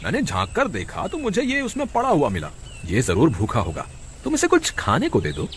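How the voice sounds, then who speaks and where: A man's voice: mid-range voice, huge pitch swings, normal speed, fairly bright tone, a little hiss or hum. A man voicing a kind village farmer in a cartoon story, earnest and firm. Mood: gentle. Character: kind village farmer, grown man, protective of his family.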